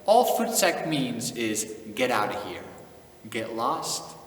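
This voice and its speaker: A man's voice: medium pitch, very animated, slow, far from the mic. A young man from the United States, chatting casually on his own video channel, laid-back and chuckling often. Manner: laid-back, chuckling, drops in Afrikaans phrases. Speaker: channel host. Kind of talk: casual vlog talk. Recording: echoey room, voice from off-mic, faint noise.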